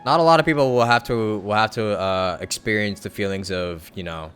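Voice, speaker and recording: A man's voice: on the low side, brisk, a bit bright, smooth, soft background music. A man live-streaming a game, chatting casually and bluntly, rambling and correcting himself as he reacts.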